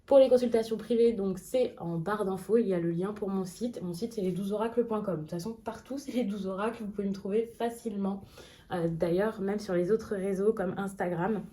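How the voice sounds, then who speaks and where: A woman's voice: mid-range voice, mellow. A woman reading tarot cards for her online channel, talking casually to her viewers, chatty and rambling with many fillers. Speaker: tarot card reader. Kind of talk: casual talk to camera.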